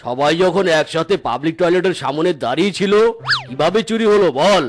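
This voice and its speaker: A man's voice: a little high, expressive, fairly quick, slight background noise, close to an everyday voice. A man voicing a stern, bossy tiger uncle who acts as judge in a cartoon. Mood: interrogating. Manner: commanding, interrogating. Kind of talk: cartoon voice acting.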